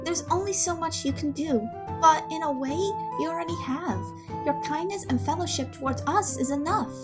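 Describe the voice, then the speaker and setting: A gentle young servant woman, acted by a woman with a distinctly high voice, speaking over clear background music. She is careful, earnest and reassuring, in the style of an audio drama. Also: normal speed, close to an everyday voice. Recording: music under the voice.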